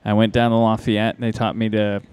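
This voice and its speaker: A man's voice: fairly low pitch, level tone, brisk, darkish tone, clean tone, dry recording. A man who organizes a convention tells casual stories as a guest on a live podcast, rambling with many restarts and asides. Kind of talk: casual anecdotal storytelling.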